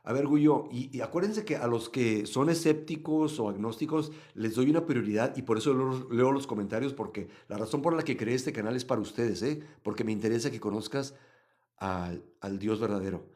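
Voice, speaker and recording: A man from Mexico, teaching a live Bible study and answering chat comments, swinging between loud emphasis and quiet asides. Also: medium pitch, brisk. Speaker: Christian livestream teacher.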